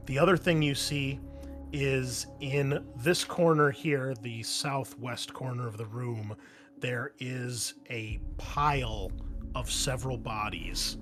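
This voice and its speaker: Conversational male game master over music. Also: mid-range voice. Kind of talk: narrating a tabletop roleplaying game, improvised. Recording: music behind the voice.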